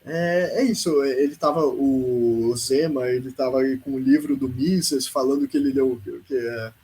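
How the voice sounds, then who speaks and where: A man's voice: medium pitch, unhurried, a little mellow, a little hiss or hum, rough recording. A man hosting a podcast, giving casual, sarcastic political commentary and peppering his speech with filler tags. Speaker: podcast host.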